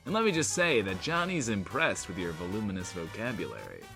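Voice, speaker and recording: An actor playing a swaggering but insecure host of a post-apocalyptic bunker radio show, talking in a pompous, wordy, theatrical way. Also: male voice, on the low side, big pitch swings, fairly quick, gravelly, over music. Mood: pompous, showy. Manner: pompous, wordy, theatrical, talks of himself in third person. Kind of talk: in-world radio show monologue, audio drama.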